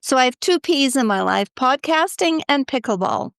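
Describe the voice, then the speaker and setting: A woman in her seventies from Scotland, with a light Scottish accent softened toward mid-Atlantic, telling her life story as a podcast guest in a measured, wry way. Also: high-pitched, lively intonation, gravelly, no room sound, studio quality. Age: 70s. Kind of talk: conversational interview storytelling.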